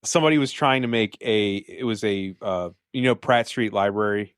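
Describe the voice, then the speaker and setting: A man's voice: lowish voice, normal speed, smooth, no echo, studio quality. A man, a filmmaker guest on a podcast, telling loose anecdotes with frequent restarts in casual chat.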